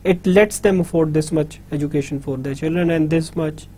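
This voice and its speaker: A man's voice: a little high, fairly even intonation, normal speed, dark tone, slight background noise. A middle-aged man with a South Asian accent, a native Urdu speaker, giving a lecture as he draws a diagram, somewhat hesitant in delivery. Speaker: university lecturer. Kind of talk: lecture explaining a diagram while drawing. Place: studio, indoors.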